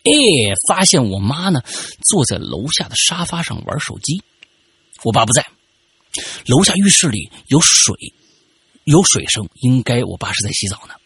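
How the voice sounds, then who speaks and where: The voice is very husky and heard in a dry, close sound. A man tells a story casually, with a lot of pitch movement, and stammers when excited. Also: normal speed, no echo.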